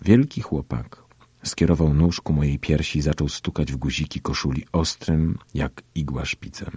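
A man narrating a first-person audiobook in a steady, measured storytelling manner. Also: rumbling low, husky, no echo.

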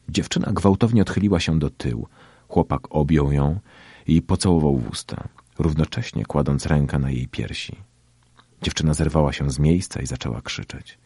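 Very deep-voiced male audiobook narrator. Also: a little mellow, slightly rough, no echo. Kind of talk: first-person audiobook narration.

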